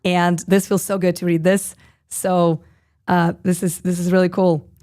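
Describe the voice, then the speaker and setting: A hoarse woman in her thirties with a husky, slightly low voice hosts a live stream. She talks in a chatty, loose way, reads comments aloud and pads her sentences with fillers. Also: level tone, unhurried, mellow. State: hoarse, lost voice. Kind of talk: casual live stream chat.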